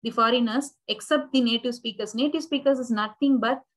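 A woman's voice: fairly high pitch, a little fast. A young Indian woman whose first language is Tamil, giving a recorded university English lecture over slides, explaining patiently and rephrasing herself with many fillers.

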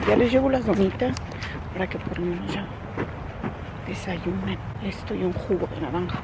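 A woman's voice: mid-range voice, normal speed. Chatty woman vlogging from her car. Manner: chatty, switches into English with staff and kids. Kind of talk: casual chat to camera while driving. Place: inside a car, in a drive-through and parking lot. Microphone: camera mounted on the dashboard. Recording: car interior with clear road noise.

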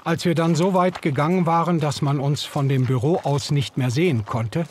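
A man narrating an audio drama in the first person, in a measured storytelling manner. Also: a little high, slight background noise.

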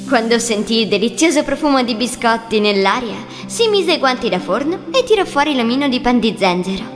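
A woman narrating a children's story in a gentle, expressive way. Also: a little high, brisk. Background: music.

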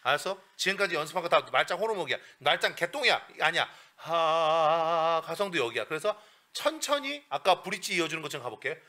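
A male vocal coach giving a lesson in a blunt, bossy, joking way with coarse slang, breaking into breathy falsetto demonstrations. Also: very animated, quick pace, bright, forceful tone.

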